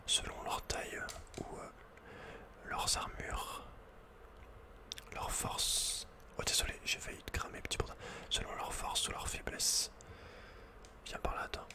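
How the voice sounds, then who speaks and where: A man's voice: unhurried, pauses often. A man whispering breathily as an ASMR host playing a video game, chatting informally with playful asides.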